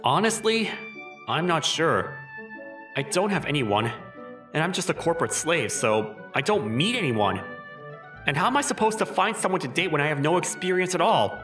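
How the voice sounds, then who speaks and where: A man acts out a flustered young office worker in a manga dub. His voice is lively and swings widely in pitch, skeptical and exasperated, with faint music behind it. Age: young adult. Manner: exasperated, incredulous, animated. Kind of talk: manga dub acting with inner narration.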